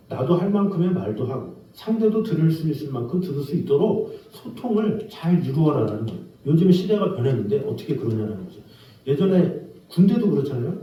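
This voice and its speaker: A middle-aged man preaching a sermon as pastor in a church sanctuary. He talks in a conversational way, asks rhetorical questions and acts out the people he quotes. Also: fairly high pitch. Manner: acts out quoted scolding and gentle voices. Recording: roomy, distant, dull church recording.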